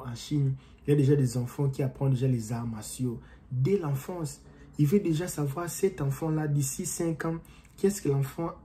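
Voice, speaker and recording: A young man with an accent, talking to camera in an animated, rambling motivational vlog from a small room at home. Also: a little high, a little hiss or hum. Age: young adult. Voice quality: non-native-sounding French accent, by his own account. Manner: animated, gesturing, rambling with restarts. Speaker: motivational vlogger. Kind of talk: casual motivational talk to camera.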